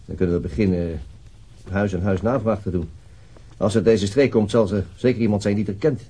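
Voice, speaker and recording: An actor playing a tired, brooding police detective in a radio drama, understated and hesitant in manner. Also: male voice, lowish voice, fairly even intonation, a little fast, mellow, slightly rough. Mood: businesslike, weary. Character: tired, brooding male police detective leading a murder inquiry. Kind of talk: radio drama acting, naturalistic.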